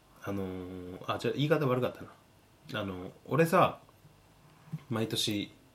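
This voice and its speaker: Over noticeable background noise, a man speaks at a fairly slow pace with long, frequent pauses and lively intonation. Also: medium pitch for a man. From Kagawa, Japan. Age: 30s. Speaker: podcast host. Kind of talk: casual chat. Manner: low-energy.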